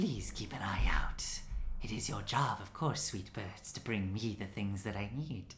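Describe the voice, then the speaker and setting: A put-on character voice talks at a low pitch and a moderate pace. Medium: actual play. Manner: repetitive, mimicking.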